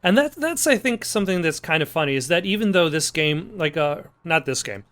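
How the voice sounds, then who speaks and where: A man's voice: on the high side, sing-song, a little fast, fairly bright tone. A man hosting a let's play, giving casual, rambling gameplay commentary with dry jokes over music. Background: game music.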